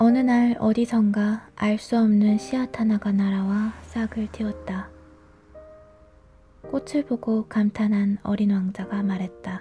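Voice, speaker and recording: Music plays in the background. The voice moves very slowly with fairly even intonation. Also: woman, medium pitch for a woman. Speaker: audiobook reader. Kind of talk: narration of a classic fairy tale. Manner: soft, gentle, emotional.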